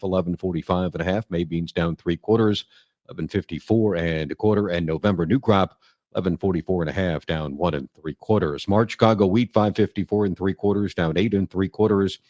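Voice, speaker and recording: A male market reporter with a fairly low voice, reading commodity and stock prices from a script. The delivery is clipped and list-like, figure after figure, in a dry studio sound. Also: brisk, a little mellow, no room sound, muffled recording. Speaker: farm radio market reporter.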